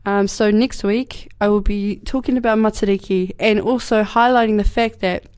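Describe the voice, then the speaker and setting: A young woman with a New Zealand accent talks casually on her community radio show. She has a cold but her voice stays smooth and clear, at a middle pitch. She rambles loosely, with plenty of fillers and restarts. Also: steady tone, moderate pace, darkish tone. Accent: New Zealand English. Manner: rambling, many fillers and restarts, laughs often. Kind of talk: casual solo radio talk. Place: radio studio.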